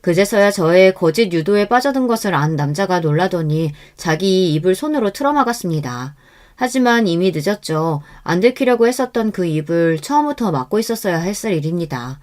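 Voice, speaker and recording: A woman narrating a first-person life story in a calm, even scripted telling. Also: fairly low pitch, fairly quick.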